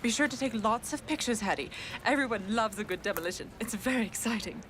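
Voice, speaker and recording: A bossy, breezy woman boss from a kids' radio play. Her voice is high and swings theatrically up and down, full of relish for wrecking things. Loud site sound effects run behind her. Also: lively intonation, fast, a little hiss or hum. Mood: enthusiastic. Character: brash demolition company manager, gleeful about wrecking. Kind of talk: children's radio drama acting. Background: machinery and demolition sound effects.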